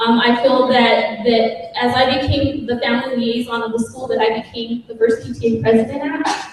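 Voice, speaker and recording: A woman speaks at a fairly high pitch with fairly even intonation. There is noticeable background noise. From US with Mexican father, partly raised abroad. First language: Spanish. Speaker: PTA parent leader. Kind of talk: panel testimony. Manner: halting.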